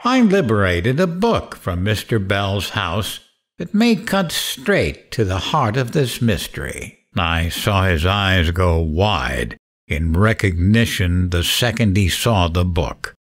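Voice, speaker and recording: A man playing a mad, grieving radio host out for revenge in an audio drama, taunting in a theatrical, deliberate way. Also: low-pitched, sing-song, exaggerated voice. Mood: brooding narration. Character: mad, vengeful, grieving male late-night radio host. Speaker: radio show host character.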